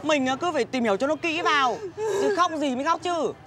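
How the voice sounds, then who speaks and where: A woman's voice: high voice, animated, fairly quick, a bit bright, a faint crowd. An actress playing a blunt market woman who scolds and comforts her crying friend. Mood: scolding. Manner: bossy, scolding. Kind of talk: TV drama acting.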